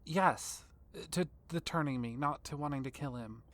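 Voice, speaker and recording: A woman playing an earnest, reluctant, gentle-hearted vampire in an audio drama, with a hesitant, sincere way of talking. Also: low voice, moderate pace, dry recording. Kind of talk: audio drama comedy acting.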